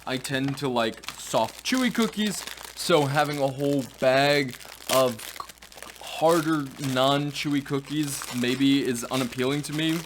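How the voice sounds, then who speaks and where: A man reviewing snacks in a casual vlog, chatty and animated with playful asides. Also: medium pitch, unhurried, background noise.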